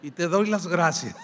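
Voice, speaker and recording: A man preaching with a Mexican accent, his voice pitched high for a man. He tells his story with animated, acted-out dialogue, and a long reverb from a large church hall trails each phrase. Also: background noise. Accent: Mexican Spanish. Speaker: pastor. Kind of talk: sermon with storytelling. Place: church sanctuary.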